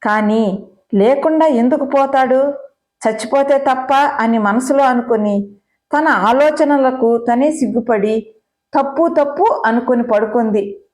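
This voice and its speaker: A woman storyteller reading a story in a measured, even narration. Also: fairly high pitch.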